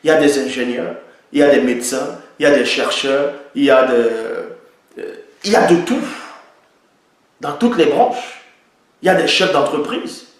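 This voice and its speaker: A man's voice: on the high side, moderate pace, pauses often. A man with a slightly raised voice delivers an emphatic opinion monologue, drawing on Bible passages and repeating key lines for stress. His voice rings out in a heavily echoing room. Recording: very echoey room.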